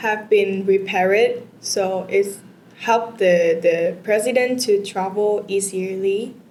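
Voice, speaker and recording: Over noticeable background noise and audible room echo, a woman with a Vietnamese accent speaks very slowly at a medium pitch. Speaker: test candidate. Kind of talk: exam speaking test. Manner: halting.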